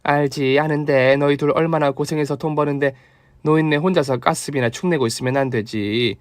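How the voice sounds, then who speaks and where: A man voicing a gentle, thrifty older mother-in-law who talks softly and fondly. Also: a little high, steady tone, fairly quick, no room sound, studio quality, natural voice. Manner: soft, fond and gentle.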